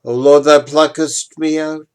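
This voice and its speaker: An older man giving a dramatic, deliberate poetry recitation, moving between emphatic swells and hushed drops. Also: on the high side, flat delivery, clear, resonant tone. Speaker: poetry reader, retired professor.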